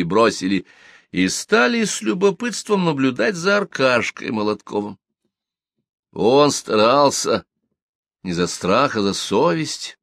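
A man narrating an audiobook with expressive storytelling in a dry, close recording. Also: on the low side, no room sound. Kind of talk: audiobook reading.

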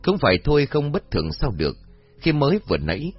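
A man narrating a horror story in a dramatic, expressive way. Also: medium pitch, fast talker, breathy edge. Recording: dull lo-fi audio, faint music.

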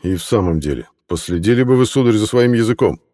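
A man's voice: lowish voice, animated, fast talker, dark tone, dry recording, studio quality, voice pushed up, natural voice. A man voicing a proud police inspector who speaks in a stern, formal way. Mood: indignant. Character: proud male police inspector, indignant gentleman.

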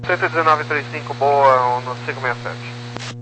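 Brazilian pilot guy reading back on crackly radio, terse, humming noisy line, normal pitch. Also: fairly even intonation, moderate pace, pushed and bright. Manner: terse, procedural. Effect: crackly aviation radio. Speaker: airline pilot. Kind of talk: radio readbacks.

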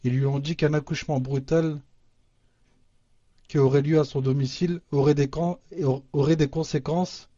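A man's voice: a little high, fairly even intonation, normal speed, dark tone, no room sound. A man moderating an online call, reading listener questions aloud with restarts and Arabic religious phrases. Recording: muffled lo-fi audio.

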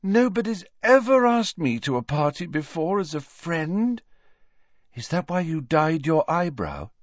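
A man's voice: a little high, sing-song, measured pace, no echo, voice pushed up. A man voicing a dreamy, odd teenage girl in an airy, sing-song way. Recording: dull dry recording.

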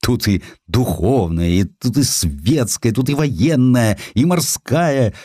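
A man narrating a historical literary sketch in an expressive, theatrical storytelling manner. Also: medium pitch, slow pace, breathy edge, no echo, clean studio sound. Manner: theatrical, acts out dialogue. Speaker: audiobook narrator.

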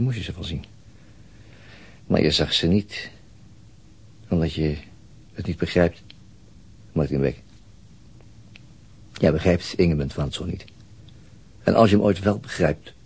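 Low-voiced, brooding police detective. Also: male voice, vocal fry, darkish tone, slightly rough, exaggerated voice. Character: brooding, methodical male police detective in charge. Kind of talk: Dutch radio crime drama acting.

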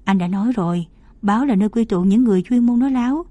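A woman's voice: fairly high pitch, fast, dark tone, no echo, lightly acted. A woman reading the part of a teasing young male journalist in playful, self-mocking banter. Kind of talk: audiobook character reading.

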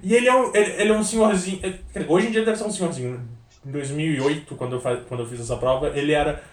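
A young man in his twenties, co-hosting a podcast over a video call, talking in an animated, rambling way full of restarts and swearing. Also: a little high, rapid-fire, reverberant, recorded from a distance. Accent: Brazilian Portuguese. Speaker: podcast co-host.

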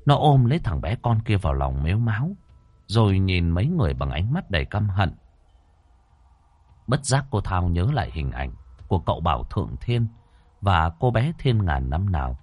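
A man narrating a scripted ghost story in a low voice. His reading is dramatic and lively, rising and falling a great deal. The sound is dry and close, with no room echo. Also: moderate pace, slightly rough.

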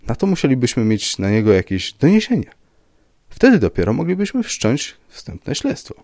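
Man doing a gruff, curt police commissioner. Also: medium pitch, huge pitch swings, normal speed, a little mellow, no room sound, voice pushed up. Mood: matter-of-fact. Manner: dry, curt, dismissive. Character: gruff, unbothered middle-aged police commissioner.

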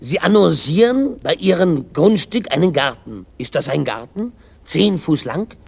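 A man voicing a whiny, anxious man who pleads and complains in a high voice. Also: very animated, unhurried, gravelly, darkish tone, husky, full character voice. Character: anxious, complaining recruit and buyer.

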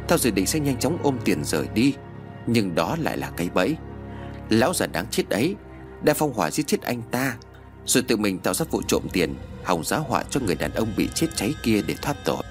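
A man's voice: on the low side, big pitch swings, a little fast, faint music behind. Man voicing a gloating vengeful village woman. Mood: taunting. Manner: gloating, taunting.

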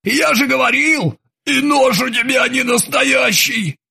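A man voicing a frantic nightmare ghoul who shouts in hysterics. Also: very high-pitched, animated, takes it slowly, vocal fry, husky, pitched above the performer's own voice, full character voice. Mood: shrieking.

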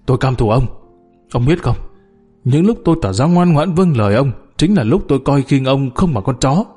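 A man's voice: medium pitch, lively intonation, normal speed, darkish tone, breathy edge, faint music behind. A man voicing a bitter underling who mocks, accuses and wails at his old boss. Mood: sobbing. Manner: mocking, accusing, wailing. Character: bitter downtrodden male underling, scornful, sobbing.

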